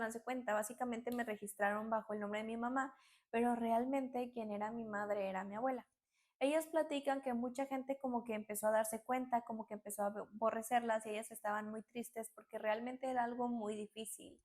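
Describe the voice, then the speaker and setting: Animated woman telling a story. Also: fairly high pitch. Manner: animated, acts out quotes, many fillers. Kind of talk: storytime narration.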